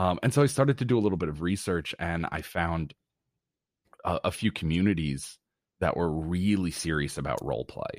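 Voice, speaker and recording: In an American accent, a man with a very deep, low pitch speaks with lively intonation on a very clean recording with a silent background. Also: moderate pace. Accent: New York accent, suppressed. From New York, Staten Island. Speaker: Twitch role-play streamer. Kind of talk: casual interview chat.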